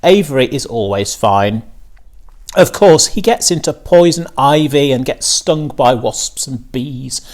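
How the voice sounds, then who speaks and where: A man's voice: mid-range voice, lively intonation, unhurried, a little mellow. A man voicing an anxious, plain-minded farm mother in a children's storybook, with a fretful, questioning manner. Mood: fond, chuckling.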